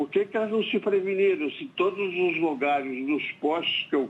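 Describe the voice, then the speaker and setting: A man's high-pitched voice makes very wide pitch swings. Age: 60s. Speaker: caller. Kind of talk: opinionated call-in comment. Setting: phone call.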